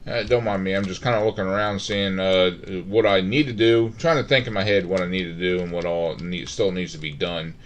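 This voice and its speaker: Middle-aged male let's-play host, lowish voice, halting and rambling with lots of ums and restarts, casual gameplay commentary. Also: fairly even intonation, slight background noise.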